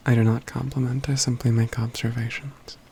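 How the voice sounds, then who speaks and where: A man playing an aloof, proud mage companion in a soft, intimate ASMR roleplay, with formal, measured phrasing and dry teasing. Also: medium pitch, creaky, slight background noise, close to an everyday voice. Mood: aloof, dryly amused. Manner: formal, measured, haughty phrasing with hushed stretches.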